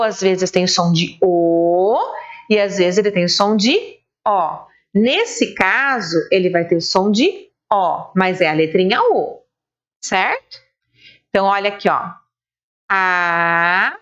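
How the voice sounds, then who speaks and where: A Brazilian Portuguese woman teaching an online reading lesson to young children, spelling out syllables slowly and praising them. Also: fairly high pitch, muffled recording.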